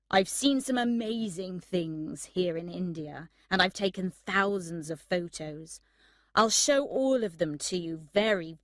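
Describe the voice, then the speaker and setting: A woman's voice: on the low side, no echo, clean studio sound. A woman reading a letter from a slightly drunk young man, rambling and earnest.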